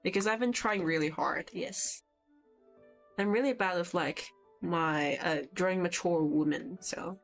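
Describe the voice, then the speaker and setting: A chatty young woman from Hong Kong, whose first language is Cantonese, streams herself drawing at home on vacation. Her fairly low voice is unhurried as she rambles and answers viewer chat, with faint music behind and a poor-quality mic.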